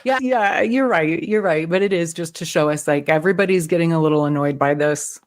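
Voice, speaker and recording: A woman's voice: deep voice, a little fast. A woman co-hosting a film podcast, chatting in an easygoing, agreeable way about a movie. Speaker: podcast co-host. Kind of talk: casual film commentary chat.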